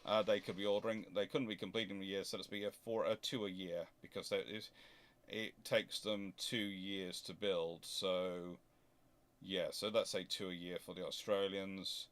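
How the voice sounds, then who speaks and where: A man's voice: deep voice, level tone, normal speed, a bit bright. A man hosts an informal question-and-answer talk, giving opinionated answers and repeating points for emphasis. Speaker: host answering audience questions.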